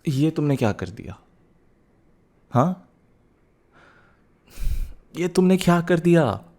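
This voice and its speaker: A man's voice: fairly high pitch, very animated, slow pace, darkish tone, exaggerated voice. A young man playing a teasing, playful and cheekily bossy young husband who gets flustered, in a boyfriend ASMR roleplay, mixing in some English. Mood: exasperated. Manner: teasing, repeats words, mixes in English.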